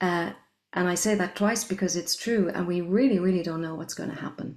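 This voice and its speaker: A woman with a fairly low pitch speaks in an Irish accent. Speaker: conscious dance teacher. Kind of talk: panel discussion. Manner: halting.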